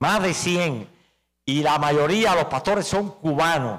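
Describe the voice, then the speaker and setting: The speaker talks at a moderate pace with ordinary pitch variation, captured on a very clean recording against a silent background. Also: man. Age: 80s+. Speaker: retired pastor, evangelist. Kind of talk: sermon.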